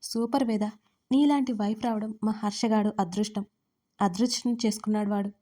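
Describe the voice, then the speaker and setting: A woman voicing a drunk, sentimental young man who talks fondly of his best friend, a little louder than her narration. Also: mid-range voice, fairly even intonation, normal speed, natural voice. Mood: tipsy. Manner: tipsy, sentimental, laughing.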